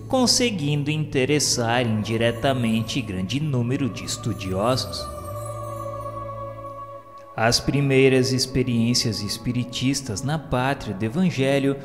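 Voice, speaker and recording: A Brazilian man reading scripted narration for a religious radio serial in a solemn, formal, literary manner. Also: medium pitch. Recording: long hall reverb. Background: music.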